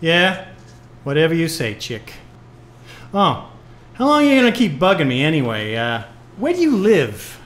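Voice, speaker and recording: A woman's voice: low-pitched, huge pitch swings, moderate pace, long pauses. A woman acting a bitter, wisecracking retired male jazz musician in a live noir audio play, talking in hep-cat slang. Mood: sardonic, weary. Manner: hep-cat slang, sardonic, stammers when rattled. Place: live on stage in a club.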